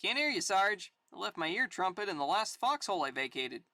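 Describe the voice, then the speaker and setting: Amateur reader as aging soldier, doting dad, jokey and homely, war comic read-aloud, bright dry sound. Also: medium pitch, very animated, fairly quick, no echo. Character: cheerful old army private, doting homely family man.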